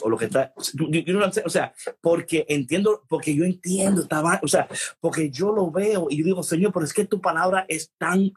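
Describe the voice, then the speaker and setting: A man co-hosting a casual Bible discussion, animated and full of restarts, mixing English phrases into his Spanish. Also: a little high, husky. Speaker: co-host of a Bible talk show.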